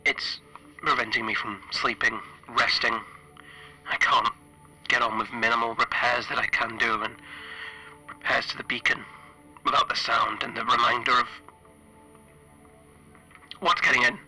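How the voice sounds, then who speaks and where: A man playing a stranded, grieving spaceship engineer recording a radio-like log for a horror tabletop game, halting and deliberate with long pauses. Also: medium pitch, little pitch movement, pushed and bright, faint music behind, low-quality recording. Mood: exhausted, strained. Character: stranded male spaceship flight engineer, weary, grieving lone survivor.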